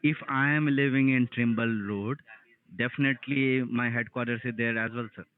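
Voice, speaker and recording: A man's voice: mid-range voice, fairly even intonation, normal speed. A man from India with an Indian accent, a call centre worker talking defensively and insistently, repeating himself. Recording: muffled, narrow phone line.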